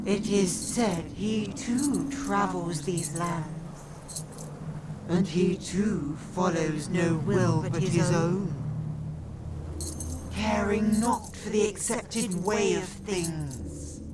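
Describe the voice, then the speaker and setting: In a put-on character voice, a woman speaks very slowly at a fairly low pitch against loud background noise. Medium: audio drama. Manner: teasing, measured, archaic phrasing.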